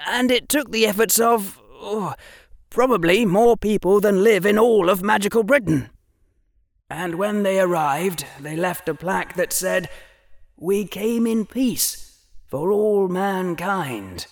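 A man's voice: sits high, slow, gravelly, no echo, studio quality, voice pushed up, exaggerated voice. A man voicing a precocious, earnest boy who explains science with barely hidden pride. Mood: proud, explaining. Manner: earnest lecturing with proud tremble.

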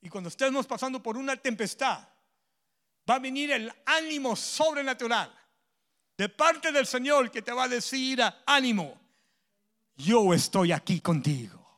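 Male pastor, very high voice, bilingual sermon delivery: each line in Spanish then English, "ah" fillers between phrases, shifts from forceful to hushed. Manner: punctuates phrases with drawn-out "ah"; swings from loud emphatic lines to hushed ones.

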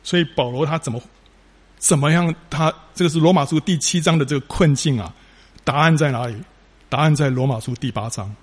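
A man's voice: a little high, fairly quick, husky. A man preaching a sermon, telling stories with rising emphasis and frequent filler particles.

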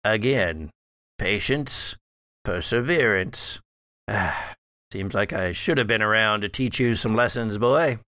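A man voicing a weary, mocking undead father in a horror roleplay, halting and condescending as he shares dark secrets. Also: on the low side, dry recording, studio quality. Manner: halting, drawn-out, condescending delivery. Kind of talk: improvised in-character horror roleplay.

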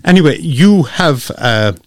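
A man's voice: a little high, lively intonation, unhurried, dry recording, clean studio sound. A man interviewing a guest on radio, asking questions in a friendly, hesitant way.

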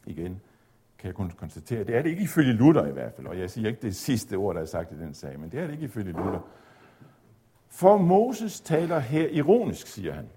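A man giving a measured, explanatory theology lecture, at times pausing on fillers. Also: on the low side, wildly swooping pitch, warm tone, a little hiss or hum. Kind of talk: spoken lecture on Luther's reading of Galatians.

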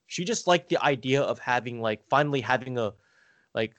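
A man's voice: mid-range voice, animated, moderate pace, fairly bright tone, no echo. American guy rambling along, tons of "like", dry dead room sound. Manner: rambling, hesitant, frequent filler "like". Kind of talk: casual conversation.

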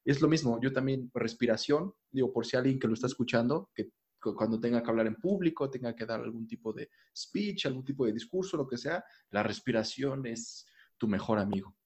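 Relaxed man on a video call. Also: medium pitch, a little fast. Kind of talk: casual remote conversation.

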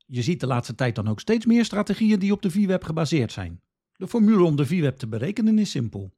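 A man's voice: mid-range voice, mellow, husky. A man from the Netherlands, hosting a podcast with scripted, instructional explanations addressed directly to the listener. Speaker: podcast host.

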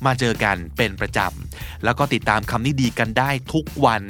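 A man's voice: medium pitch, brisk, sharp tone, soft background music. A man with a Thai accent, hosting a pronunciation lesson and spelling English words out letter by letter.

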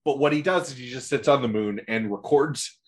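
A man's voice: medium pitch, a little fast. A man hosting a casual podcast, animatedly retelling a comic story and laughing as he talks. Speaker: podcast host. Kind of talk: casual comic recap chat.

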